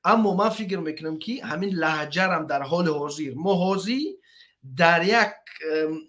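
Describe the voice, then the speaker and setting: A man with a Tajik accent calls in to a talk show. His voice is high and sharp in tone, and he speaks haltingly, filling his pauses and restarting his sentences. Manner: hesitant, with fillers and restarts. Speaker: caller.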